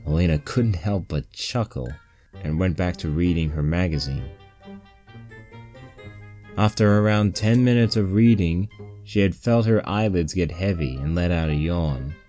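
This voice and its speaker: A man's voice: low-pitched, animated, a little slow, warm tone. A man reading a fan fiction story aloud as scripted narration. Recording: poor-quality mic with music bed.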